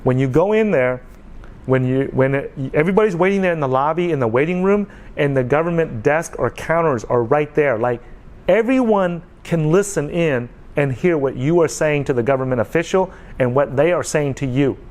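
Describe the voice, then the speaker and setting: An animated American man in his forties vlogs casually to his audience, his voice on the high side yet darkish in tone, at a moderate pace. He's earnest and repetitive, often checking in by saying "okay."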